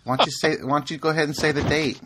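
A man hosting a casual podcast chat, laid-back and quick to laugh. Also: a little high, level tone, background noise. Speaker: podcast host.

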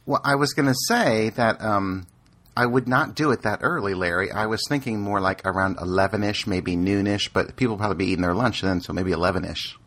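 Husky, laid-back male podcast host. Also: lowish voice, fairly quick, fairly bright tone. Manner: laid-back, laughs easily. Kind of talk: casual podcast chat.

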